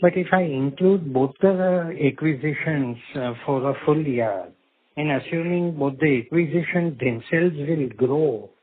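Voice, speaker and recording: A man with an Indian accent asking questions on a business conference call in a halting, methodical way, as an investor or analyst. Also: fairly high pitch. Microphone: phone conference call. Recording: narrow, tinny phone line.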